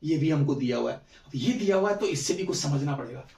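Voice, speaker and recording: A man's voice: a little high, expressive, fairly quick, gravelly, a little mellow. A man teaching a maths lesson, explaining each step and often checking that students follow. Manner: explains step by step, asks "समझ में आई बात?". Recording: echoey room, voice from a distance.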